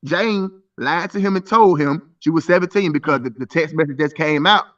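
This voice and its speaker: A man's voice: fairly high pitch, normal speed, a bit bright. A man in his thirties arguing insistently in a live stream debate, stumbling through repeated restarts. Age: 30s. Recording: muffled voice from a distance.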